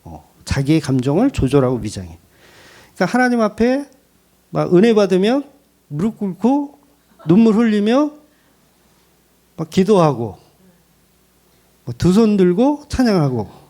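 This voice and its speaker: A middle-aged male pastor preaching with a lively, swinging delivery and a mellow, dark tone. He talks candidly and pokes fun at himself between points, keeping the sermon conversational. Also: sits high, a little slow, long pauses. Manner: candid, joking, self-deprecating preaching with laughs.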